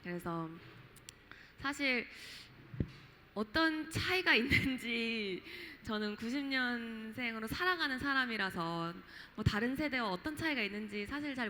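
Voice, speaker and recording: A woman's voice: on the high side, pushed and bright. A woman in her late twenties from Jeju, speaking as a panelist in a chatty, reflective way with many fillers. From Jeju, South Korea. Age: late 20s. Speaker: panelist, startup founder. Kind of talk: panel talk at a festival. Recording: reverberant hall, faint ambience.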